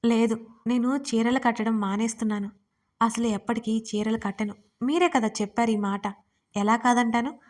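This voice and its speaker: A woman's voice: on the high side, fairly even intonation, normal speed, a little mellow, natural voice. A woman voicing a sulky, defiant young wife who talks in a pouting, indignant way.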